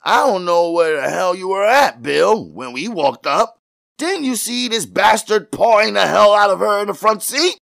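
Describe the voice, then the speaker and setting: A man's voice: high voice, expressive, normal speed, gravelly, a bit bright, pitched above the performer's own voice, exaggerated voice. A man voicing a young, hot-tempered, foul-mouthed policeman in a harsh, roaring manner for an audiobook. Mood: enraged, roaring.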